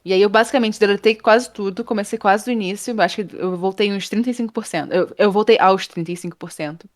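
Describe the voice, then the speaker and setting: A woman, a guest in an interview, telling a story in a casual, animated way and acting out the people in it. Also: medium pitch, fast talker, no room sound, clean studio sound. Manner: animated, acts out quoted people, laughs often. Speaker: interview guest, game art professor.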